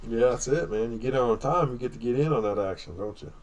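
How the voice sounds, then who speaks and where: A man's voice: medium pitch, fast, a little mellow, far from the mic, dull audio. A man hosting a trading livestream, chatting casually and encouraging his guests with frequent laughs. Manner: easygoing, laughs often, encouraging. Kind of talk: casual live-stream chat.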